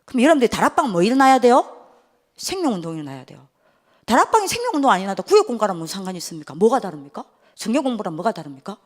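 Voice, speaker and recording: Husky, animated woman preaching. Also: mid-range voice, very fast. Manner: acts out dialogue, drops to hushed whispers for quoted speech. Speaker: evangelist preacher. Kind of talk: lively sermon storytelling. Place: church youth retreat hall.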